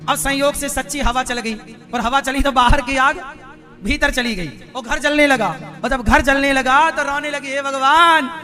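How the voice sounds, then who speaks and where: A man's voice: extremely high pitch, fairly even intonation, moderate pace, bright, forceful tone. A man preaching a devotional sermon, telling stories and questioning and teasing his audience. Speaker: katha preacher.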